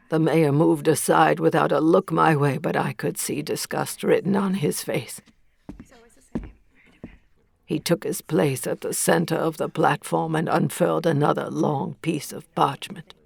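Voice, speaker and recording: A woman playing an accused village healer, bitter and defiant, narrating a horror audio drama gravely and deliberately in a creaky voice. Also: deep voice, fairly even intonation, no room sound, full character voice. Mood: sorrowful, grim. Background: faint music.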